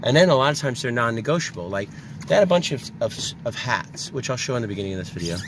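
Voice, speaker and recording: A man's voice: mid-range voice, sing-song, fast talker. A man chatting casually as a vlogger and reseller, explaining things in a rambling, conversational way. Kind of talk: casual vlog chat about secondhand finds. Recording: clearly noisy, ambient background.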